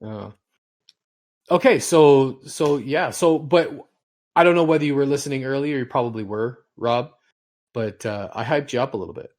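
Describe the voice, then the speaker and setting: With a slightly mellow, mid-range voice at a moderate pace, this forty-something podcast host is a rambling storyteller, drifting through long tales in an easygoing, casual chat.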